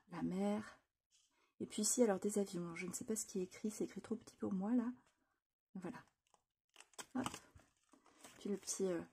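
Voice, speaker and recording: Lady showing off her craft haul, chatty, lots of euh's, mellow kinda husky voice. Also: medium pitch. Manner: chatty, enthusiastic, frequent fillers and restarts. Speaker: craft channel host. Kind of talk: casual product haul presentation. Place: home craft room.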